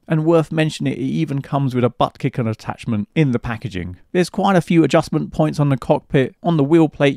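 Gravelly man reviewing gear. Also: mid-range voice, no room sound, studio quality. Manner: steady, matter-of-fact instructional delivery. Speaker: product reviewer. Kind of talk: scripted voice-over review and assembly guide.

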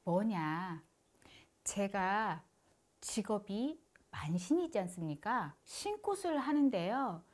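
A woman shaman telling a funny story to camera in a lively, dramatic way, indoors. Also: medium pitch, slow.

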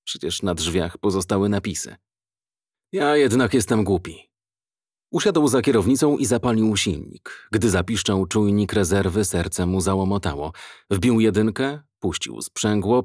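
Guy narrating an audiobook, lowish voice, dead dry close mic. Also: animated, moderate pace, darkish tone, dry recording.

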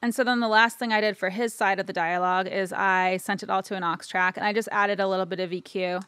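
A woman narrating a casual, informal software tutorial, explaining step by step and checking in as she goes. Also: medium pitch, fairly even intonation, fast talker, smooth, dry recording. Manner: informal, explanatory, frequent "right?" tags. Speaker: audio editing instructor.

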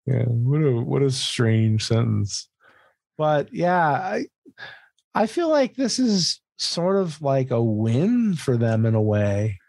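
A man's voice: mid-range voice, lively intonation, slow pace, gravelly, a little mellow, no room sound, clean studio sound. An American man co-hosting a podcast in casual comedic chat, swearing freely and repeating words emphatically as he explains. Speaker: podcast co-host.

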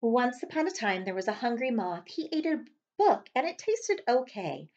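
High-voiced, animated woman reading. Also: normal speed. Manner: expressive, dramatic storytelling. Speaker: librarian reading aloud for children. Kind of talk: storybook read-aloud. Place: living room, on a couch. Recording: slightly dull webcam audio.

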